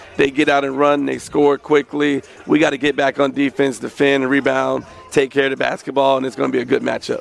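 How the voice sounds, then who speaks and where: Against noticeable background noise, a man with a fairly high pitch talks at a fairly quick pace. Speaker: high school basketball coach. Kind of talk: sports interview. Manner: passionate, enthusiastic.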